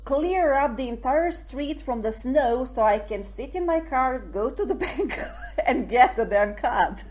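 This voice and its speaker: A woman from Serbia with a Serbian accent, speaking English as a second language, telling her story as an interview guest with emphatic, animated delivery and lots of "you know". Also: sits high, measured pace. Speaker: interview guest, network marketer.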